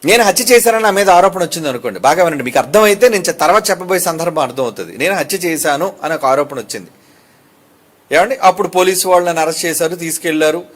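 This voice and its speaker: Male pastor, high voice, animated sermon delivery, heavy on rhetorical questions. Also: fast talker. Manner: preaching with rhetorical questions and repeated asides to the crowd; emphatic and animated.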